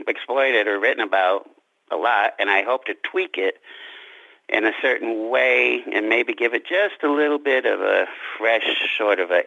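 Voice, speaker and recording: A man being interviewed as an author, talking reflectively about his craft in halting, deliberate phrases. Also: fairly low pitch, creaky, no echo, dull audio.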